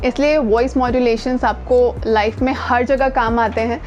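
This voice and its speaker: An Indian woman gives an informal instructional talk to camera as a voice coach and video host, outdoors close to where she lives. Her fairly high voice keeps a fairly even intonation at normal speed as she speaks conversationally and emphatically, mixing in English words. The sound is darkish, with a little hiss or hum.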